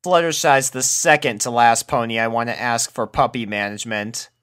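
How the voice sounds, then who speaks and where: A man's voice: mid-range voice, steady tone, moderate pace, a bit bright, clear, resonant tone, natural voice. A man voicing a brash, impatient young female flying pony in a story, emphatic and easily exasperated. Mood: dejected.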